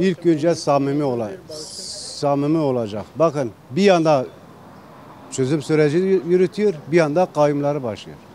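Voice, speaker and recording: A man with a Kurdish accent and a fairly high pitch, talking at a fairly slow pace with long, frequent pauses and ordinary pitch variation over noticeable background noise. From Turkey, Diyarbakır (Kurdish). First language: Kurdish (speaking Turkish). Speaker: passer-by in street interview. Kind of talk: street interview, political opinion. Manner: animated, passionate.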